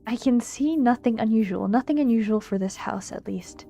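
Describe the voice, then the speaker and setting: A woman's voice: fairly high pitch, normal speed, vocal fry, dark tone. A woman streamer with a playful manner, giving casual commentary and reading game text aloud as she plays. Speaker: streamer playing and reading aloud a visual novel. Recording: music behind the voice. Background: game music.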